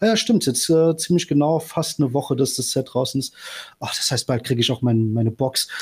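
At a medium pitch with ordinary pitch variation, a man speaks fairly quickly in a somewhat breathy voice. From Germany. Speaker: YouTube content creator. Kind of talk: casual chat.

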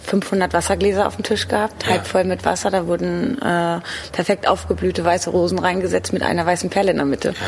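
A woman talks at a moderate pace. Noticeable background noise runs beneath her voice. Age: 40s. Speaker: florist and shop owner. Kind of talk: casual interview. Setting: in her flower shop.

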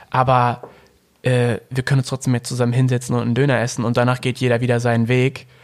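A man speaks at a very fast pace and a medium pitch, with very even loudness. His intonation is monotone and flat. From Ruhr area, Germany. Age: 20s. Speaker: hip-hop artist. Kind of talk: casual interview.

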